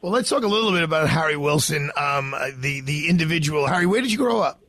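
A man's voice: a little high, animated, quick pace, sharp tone, no room sound. A man hosting a radio talk show, chatty and joking, often restarting his sentences. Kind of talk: casual interview.

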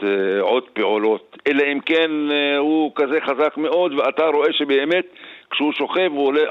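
A man, a retired senior police officer, explaining firmly and in measured steps as a radio guest. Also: medium pitch, dry recording, lo-fi sound. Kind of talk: radio interview by phone.

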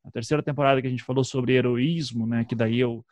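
A man in his thirties with a Paraná accent from southern Brazil, speaking conversationally and reflectively as an interview guest, often halting and restarting his sentences. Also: medium pitch, steady tone, a little mellow, dry recording. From Curitiba, southern Brazil. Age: 30s. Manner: halting, self-interrupting, frequent "né" tags. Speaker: podcast guest, storytelling podcaster.

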